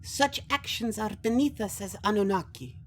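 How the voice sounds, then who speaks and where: A woman's voice: medium pitch, moderate pace, lightly acted. A woman playing a principled young female alien in an audio drama, speaking formally and with emphasis. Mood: firm, protesting. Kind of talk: scripted audio drama acting.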